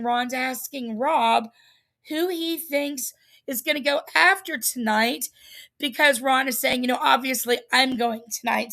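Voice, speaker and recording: A woman's voice: high voice, vocal fry, a bit bright. A woman hosting a livestream, casually recapping a reality show in a chatty, rambling way with lots of fillers. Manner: chatty, rambling, laughs at herself, many fillers.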